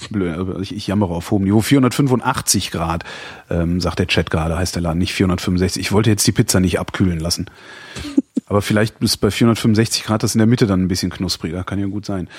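A man's voice: low voice, quick pace, breathy edge, no echo, studio quality. A man in his forties co-hosting a podcast, chatting casually, rambling and laughing often. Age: 40s. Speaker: podcast co-host. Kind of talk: casual chat.

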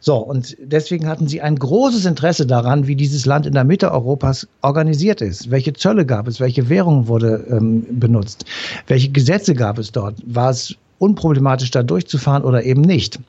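A man with a husky, mellow voice explaining history patiently in a relaxed conversation, stopping on filler sounds as he lays out each point. The recording sounds a little dull and lo-fi. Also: medium pitch, normal speed. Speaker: history expert guest.

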